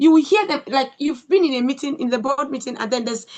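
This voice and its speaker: Very fast speech comes from a woman. Her high pitch carries lively intonation. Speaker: speaker on women's confidence. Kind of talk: live video interview. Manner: animated.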